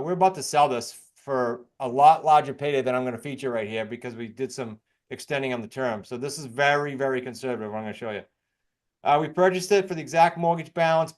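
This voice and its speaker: Higher-voiced American man, fast-talking coach. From New England, United States. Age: middle-aged or older. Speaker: guest, real estate investing coach. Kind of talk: informal sales presentation with case studies.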